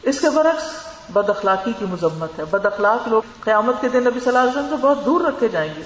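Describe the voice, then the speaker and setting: A woman's voice: on the high side, sing-song. A woman giving an earnest religious lecture, advising her listeners and mixing in English words. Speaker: religious teacher. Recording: echoey hall, dull lo-fi sound.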